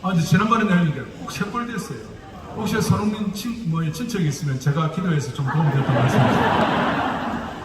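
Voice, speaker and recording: A man's voice: a little high, fast. Male pastor, Gyeongsang dialect, lecture-style sermon, rhetorical questions, long hall reverb, noisy background. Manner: joking, asks the audience rhetorical questions. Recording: echoey hall, distant mic, noisy.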